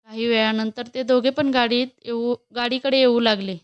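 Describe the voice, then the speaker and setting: A woman reads a romantic story aloud in a steady, expressive way. Her voice sits fairly high and sounds smooth and clear. It is recorded close on a dry mic. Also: normal speed, no room sound, lo-fi sound. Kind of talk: scripted story narration.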